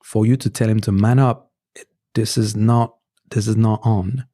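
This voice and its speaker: A man's voice: on the low side, steady tone, normal speed, dark tone, dry recording, clean studio sound. A man whose first language is French, giving earnest, practical advice in a casual podcast conversation, with frequent "you know" asides and restarts. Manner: gives practical advice, sometimes pointed. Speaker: guest, movement teacher.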